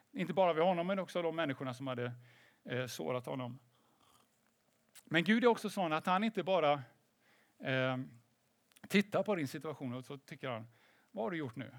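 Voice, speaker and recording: A man preaches to his congregation in a chatty, conversational way, often checking in with "eller hur?" and dropping in English phrases. His voice sits a little high, and the recording is close and dry with no room echo. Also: creaky. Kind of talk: sermon.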